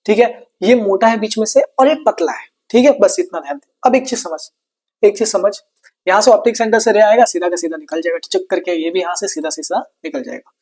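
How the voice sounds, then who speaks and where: A man's voice: high-pitched, a little mellow, breathy edge. A man teaching an exam-prep science lesson, chatty and playful, asking questions and answering them himself like a student. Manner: chatty, plays both teacher and student in quick back-and-forth.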